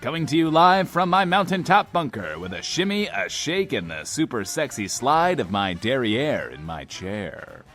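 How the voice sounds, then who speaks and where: An actor playing a vain, playful post-apocalyptic radio host in an audio drama, grandiose and coy, often speaking of himself in third person. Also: male voice, medium pitch, sing-song, normal speed, hardly any pauses, fairly bright tone, soft background music. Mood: grandiose excitement.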